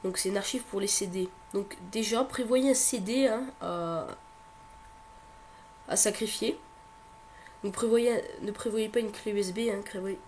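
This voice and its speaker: A high-voiced man with a head cold presents a screen-recording tech tutorial, guiding viewers through a computer task. He's hesitant, leans heavily on fillers, repeats words and restarts sentences, with a faint hum beneath his voice.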